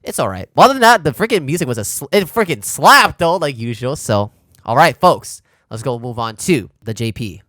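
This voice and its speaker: A man giving casual reaction commentary on a game trailer, excitable, with frequent exclamations and laughs. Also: mid-range voice, brisk, dry recording.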